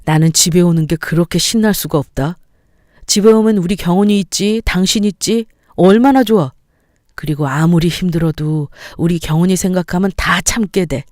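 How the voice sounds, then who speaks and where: A woman's voice: on the low side, moderate pace, a little mellow, no echo, clean studio sound, lightly acted. A woman voicing a hardworking husband and father who talks affectionately about his family, in a storybook. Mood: happy. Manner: affectionate, cheerful talk.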